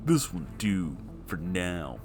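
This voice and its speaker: A man voicing a haughty male cartoon cat with a stern, slow, pompous delivery. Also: deep voice, very animated, a little mellow, faint music behind, voice pushed down, exaggerated voice.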